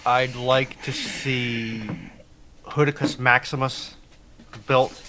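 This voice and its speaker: A man's voice: medium pitch, level tone, takes it slowly, noisy background. A man chatting casually as a livestream panelist, making dry, wry remarks. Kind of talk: casual chat.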